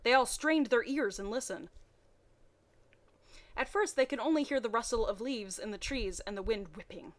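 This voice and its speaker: A woman reading amateur fiction aloud in a mocking way, dropping in wry, deadpan asides. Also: fairly high pitch, moderate pace, long pauses. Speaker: reader and commentator.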